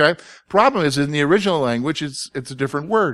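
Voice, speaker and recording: In a normal speaking voice, a man talks at fairly high pitch with ordinary pitch variation. The recording is very clean, with a silent background. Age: 50s. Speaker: pastor. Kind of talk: Bible teaching to a church class. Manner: conversational, asks the audience questions.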